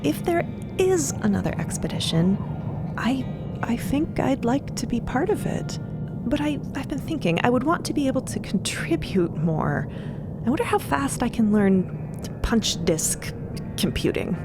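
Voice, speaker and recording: A woman plays a sincere, eager noblewoman in an audio drama. Talk comes in a chatty, tentative way, over clearly audible music. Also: a little high, sing-song, a little slow, voice pushed up. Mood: hopeful, tentative. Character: earnest, wistful, sheltered noblewoman eager to belong. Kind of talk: scripted audio fiction.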